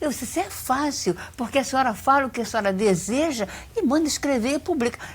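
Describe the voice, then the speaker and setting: Over noticeable background noise, a woman with a high pitch talks at a very fast pace with lively intonation. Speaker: senior university program coordinator. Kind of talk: talk show interview.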